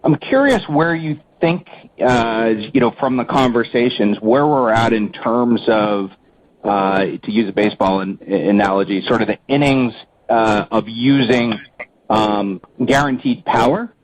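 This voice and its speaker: Hesitant male analyst, medium pitch. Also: a little slow, poor audio. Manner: hesitant, winding, broken phrasing. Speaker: financial analyst asking a question. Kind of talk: unscripted earnings call question.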